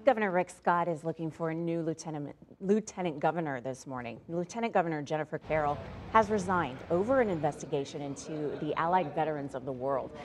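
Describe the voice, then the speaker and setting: A woman reads the morning headlines in a somewhat low voice, brisk and matter-of-fact. Between stories she turns bright and chatty with her co-anchor. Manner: brisk, upbeat delivery with chatty asides. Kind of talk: live morning news reading and chat.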